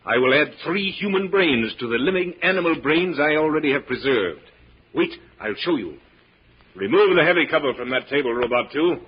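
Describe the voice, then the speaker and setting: A megalomaniac mad scientist gloats and commands with wildly swinging, theatrical delivery. The voice is slightly husky, in a muffled old radio drama recording. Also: male voice, fairly high pitch, animated, moderate pace. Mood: commanding, gloating. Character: megalomaniac mad scientist professor, grandiose and menacing.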